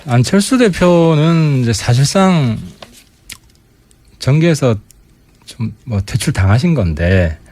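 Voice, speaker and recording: A man guesting on a radio current-affairs interview as a lawmaker, giving pointed, sharp-tongued political commentary into a studio mic. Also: mid-range voice, animated, takes it slowly, long pauses.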